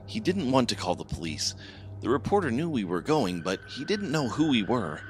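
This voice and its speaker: A man's voice: mid-range voice, sing-song, normal speed, faint music behind. A man narrating a horror story in the first person, with dramatic scripted delivery.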